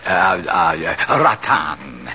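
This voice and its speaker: Obsequious Hispanic-accented hotel clerk, swooping pitch. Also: male voice, very animated, pushed and bright, heavily acted. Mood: proudly effusive. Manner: flowery, deferential, unhurried. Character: fat, bald little hotel clerk, obsequious, sly. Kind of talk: radio drama acting. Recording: muffled, noisy 1970s radio recording.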